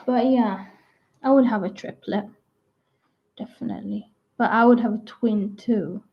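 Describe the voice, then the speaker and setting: A woman's voice: mid-range voice, unhurried. Rambling young woman, dull lo-fi audio. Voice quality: croaky at times. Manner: meandering, full of "like" and restarts. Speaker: vlogger. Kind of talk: rambling casual chat to camera. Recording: dull lo-fi sound.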